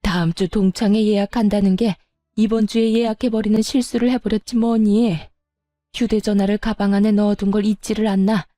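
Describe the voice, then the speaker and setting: A scheming, spiteful older mother-in-law, put on by a woman reading the story. Her tone is mellow and warm, and the recording is dry and close. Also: fairly low pitch, steady tone, normal speed, dry recording, close to an everyday voice. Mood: fake wailing. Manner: gloating, then fake wailing.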